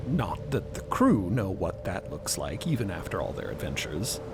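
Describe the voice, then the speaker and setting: A man narrating a scripted story with deliberate, dramatic phrasing. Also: low-pitched, very animated, background noise.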